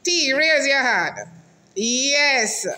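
A woman's voice: sits high, drawn-out words. Chatty woman vlogger interviewing a team. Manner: chatty, teasing, animated questions. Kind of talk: casual on-camera interview. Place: restaurant seating area, indoors.

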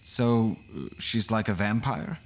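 Low-voiced, haunted man. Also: animated, takes it slowly, slight background noise. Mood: worried, earnest. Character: earnest, haunted man recounting his horror story. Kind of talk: first-person audio drama narration.

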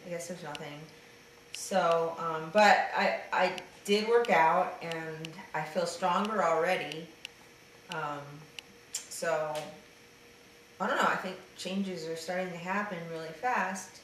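A middle-aged trans man with a slightly raspy voice, talking hesitantly to his video diary with many fillers, then reading a letter aloud. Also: a little high, slow, a bit bright. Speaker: vlogger. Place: dim room indoors, seated in an armchair. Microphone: camera mic at a distance. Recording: echoey room from far off, faint hiss.

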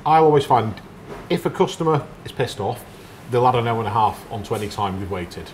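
A man's voice: mid-range voice, animated, brisk, darkish tone, slight background noise. A man, a restaurant owner answering bluntly and matter-of-factly. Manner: blunt, firm, matter-of-fact. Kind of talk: casual interview. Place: restaurant dining room. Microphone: lapel mic.

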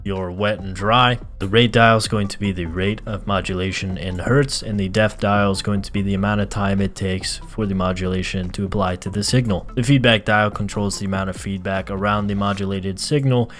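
A man with a fairly low voice hosts a software tutorial. He explains things in an instructional way and speaks directly to the viewer. Music plays behind his narration. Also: steady tone, a little fast, few pauses. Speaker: tutorial host. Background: background music.

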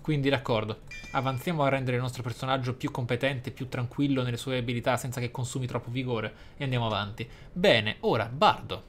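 A male let's player comments on a video game, reading skill descriptions aloud in wordy, formal phrasing. His mid-range voice runs a little fast with hardly any pauses, over slight background noise.

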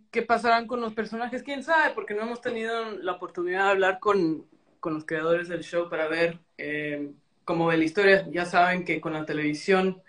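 A woman in her thirties chatting casually on a phone live stream, reading out comments with loose, hesitant phrasing and switching between Spanish and English. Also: lowish voice. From half Argentinian. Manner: relaxed, hesitant, many fillers, mixing Spanish and English. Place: small room indoors. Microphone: phone front camera, close.

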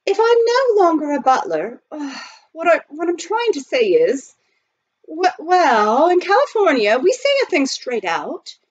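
A woman voicing a polite, earnest butler turned gold miner with a formal, halting delivery in a storybook reading. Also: high voice, wildly swooping pitch, a little mellow, slightly rough, muffled recording, pitched above the performer's own voice, full character voice. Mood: flustered, earnest.

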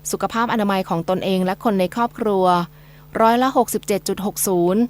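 A woman's voice: medium pitch, fairly even intonation, a little fast. Woman reading scripted radio news. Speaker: radio newsreader.

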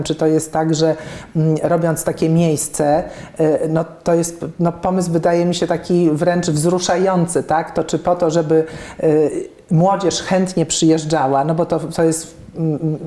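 Low-voiced woman full of hesitations. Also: warm tone, reverberant. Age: 50s. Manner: hesitant, many fillers and restarts. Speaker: interviewer. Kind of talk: conversational interview. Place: office room with plants and bookshelves.

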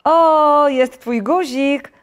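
A woman voicing a cheerful, eager young male frog with bright exclamations. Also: low-pitched, big pitch swings, moderate pace.

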